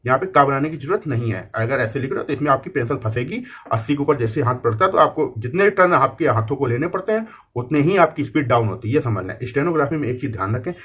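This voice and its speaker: A man's voice: medium pitch, a bit bright, breathy edge. A man teaching a shorthand class online, explaining each outline step by step and checking in with his students often.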